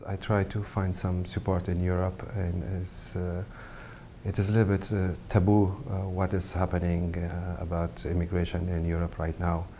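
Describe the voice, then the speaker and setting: A middle-aged man from Afghanistan, a photographer, speaking English as a second language in a halting interview to camera with many pauses and fillers. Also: sits low, monotone, mellow, slight background noise. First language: not English. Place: indoor studio set with brick wall.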